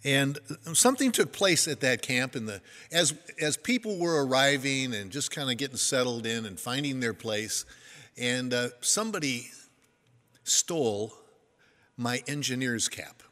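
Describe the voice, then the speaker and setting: A man's voice: medium pitch, expressive, a little slow, bright, forceful tone, long reverb tail. An older man giving a sermon to a congregation, telling stories in a folksy, self-deprecating way. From United States. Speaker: pastor.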